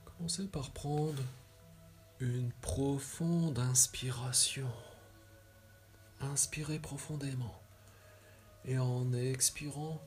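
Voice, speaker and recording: With faint music behind him, a man guides a yoga nidra meditation at a very unhurried pace. His mid-range voice is soft and calming with fairly even intonation, trailing off breathily at the ends of phrases and pausing deliberately between instructions.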